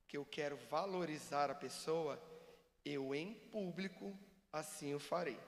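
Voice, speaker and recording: A man giving an animated, joking church seminar talk and acting out examples for the audience. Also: a little high. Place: church hall. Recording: long reverb of a church hall.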